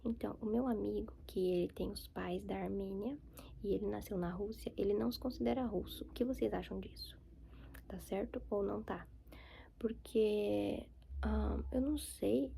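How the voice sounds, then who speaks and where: A woman's voice: mid-range voice, gravelly, mellow, a little hiss or hum. A young woman with a Brazilian accent, whispering a rambling ASMR chat to her viewers with many fillers. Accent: Brazilian Portuguese. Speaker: ASMR creator.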